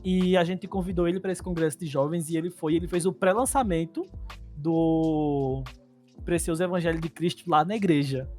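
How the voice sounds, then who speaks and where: Animated Paraíba-accented Brazilian man. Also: fairly high pitch, normal speed, soft background music. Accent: Paraíba Northeastern Brazilian. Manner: animated storytelling, laughs often. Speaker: podcast co-host. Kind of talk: casual chat.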